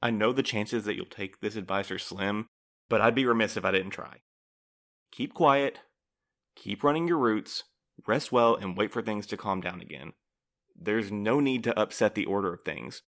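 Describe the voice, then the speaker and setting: A man playing a guarded postmaster in an audio drama, speaking in a measured, formal and evasive way. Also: lowish voice, a bit bright. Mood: apologetic. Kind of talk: audio fiction acting.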